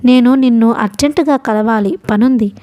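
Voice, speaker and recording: A woman voicing a timid young woman who speaks hesitantly, in halting bits, in an audiobook. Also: fairly high pitch, mellow, dry recording, muffled recording, natural voice. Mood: anxious. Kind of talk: audiobook character reading.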